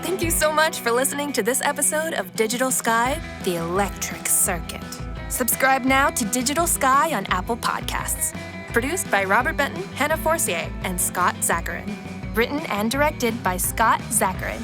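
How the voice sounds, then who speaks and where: A woman's voice: a little high, expressive, normal speed. A woman narrator delivering scripted narration and commentary for an audio drama. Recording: music behind the voice.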